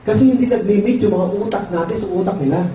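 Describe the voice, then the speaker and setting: A man giving an energetic motivational seminar talk with jokes, leading his audience in chants. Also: high voice, quick pace. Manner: energetic, leads call-and-response chants. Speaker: seminar speaker. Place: large hall with live audience. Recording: echoey hall, far mic, crowd noise.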